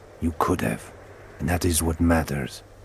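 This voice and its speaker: A man's put-on character voice, very deep and low, with ordinary pitch variation and clear background noise. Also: moderate pace. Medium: actual play. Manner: clenched, tightly controlled.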